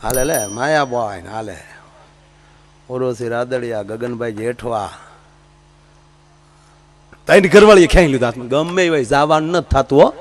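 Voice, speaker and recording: A man's voice: medium pitch, moderate pace, pauses often. A man telling comic stories on stage, acting out stutters. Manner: lively, acts out stutters in his tales. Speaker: folk comedian. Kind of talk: stand-up storytelling.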